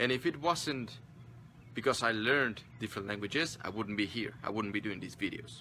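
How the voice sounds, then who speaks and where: A man with a Mexican accent, medium in pitch, at a fairly quick pace. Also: ordinary pitch variation. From Mexico City. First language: Spanish. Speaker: image consultant. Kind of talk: casual vlog talk. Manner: hesitant, many fillers.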